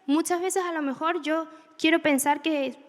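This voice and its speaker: A woman preaching a sermon, telling stories in an animated way with laughter. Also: sits high, moderate pace, big-room sound. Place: church hall.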